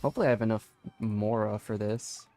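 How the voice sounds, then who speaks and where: A man's voice: fairly low pitch, fairly quick, faint music behind. Chatty young male game streamer. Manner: chatty, talks to viewers, bursts into laughter and excited shouts. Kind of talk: casual gaming livestream chat. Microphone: desk mic with limiter filter.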